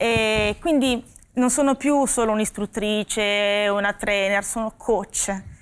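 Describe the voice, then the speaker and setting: A woman speaks in a plain, everyday voice. Her pitch sits fairly high, with fairly even intonation. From Lombardy, Brianza. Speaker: driving instructor. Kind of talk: interview. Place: studio. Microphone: lapel.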